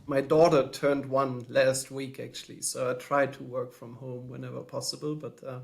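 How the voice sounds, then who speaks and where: A man's voice: mid-range voice, level tone, moderate pace, vocal fry. A man from Germany calling in from home as a podcast guest, thoughtful and hesitant with many fillers. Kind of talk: podcast interview answers.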